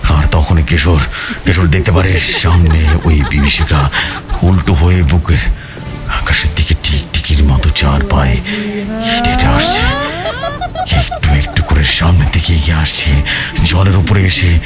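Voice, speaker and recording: A man with a Bangladeshi accent narrating a ghost story dramatically, building suspense and repeating phrases for effect. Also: very deep voice. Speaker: horror storyteller. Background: music under the voice.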